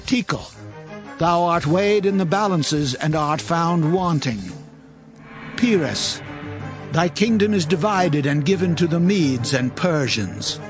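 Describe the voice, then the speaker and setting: High-voiced, solemn prophet. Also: male voice. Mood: stern, accusing. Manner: deliberate, declamatory, grave. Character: bold, solemn prophet rebuking a king. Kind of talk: dramatized scripture acting. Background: music.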